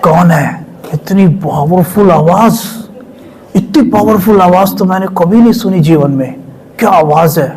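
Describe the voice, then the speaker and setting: A male spiritual speaker telling a personal testimony with emotion, sometimes dropping to a hush. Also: high voice, poor audio. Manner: emotional, drops to hushed tones for quoted voices.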